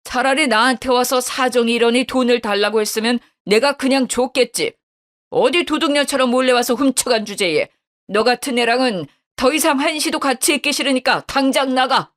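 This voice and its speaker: A woman's voice: high-pitched, brisk, fairly bright tone, pitched above the performer's own voice. Woman reading stern older father-in-law, curt commands, firm, radio story.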